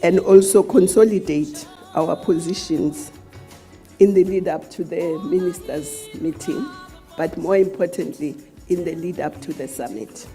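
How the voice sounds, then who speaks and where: A woman official giving a formal speech in a measured, deliberate way. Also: lowish voice, warm tone, soft background music. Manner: measured, deliberate, with small restarts. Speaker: official speaker.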